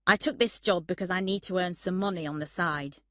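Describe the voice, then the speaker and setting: A woman reading the lines of a young man, a stand-up comedian working as a waiter, speaking quickly and jokingly. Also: lowish voice, sharp tone, no room sound, clean studio sound. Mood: casual.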